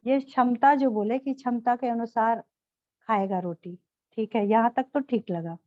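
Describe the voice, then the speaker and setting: A woman asking questions in a spiritual session, hesitant and halting, with many pauses and fillers. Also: fairly high pitch, no room sound. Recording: tinny phone-like line.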